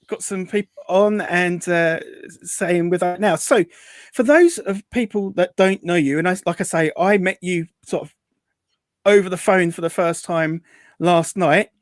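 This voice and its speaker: A man's voice: sits high, unhurried, no room sound, studio quality. A man hosting a casual online chat show, reading out viewer comments with lots of fillers over a video call. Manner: chatty, reads out viewer comments, many fillers. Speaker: host.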